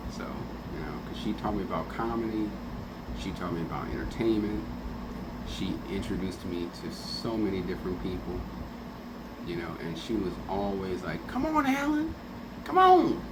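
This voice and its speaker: A man's voice: deep voice, normal speed, long pauses, very noisy. A man speaking as a radio host in a casual, affectionate, conversational way, as in a heartfelt tribute. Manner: conversational, affectionate, often acting out remembered quotes. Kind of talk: heartfelt spoken tribute to a late friend, casual radio talk.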